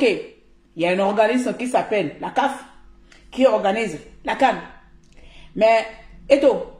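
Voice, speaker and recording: A woman's voice: mid-range voice, darkish tone. Blunt Cameroonian woman ranting in an echoey room. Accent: Cameroonian French. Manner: blunt, mocking, outspoken. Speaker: live streamer. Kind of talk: ranting live commentary.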